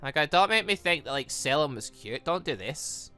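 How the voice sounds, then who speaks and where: An excitable gaming host gushing, exclaiming and rambling through commentary on a visual novel, reading along as they play. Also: mid-range voice, moderate pace. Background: music.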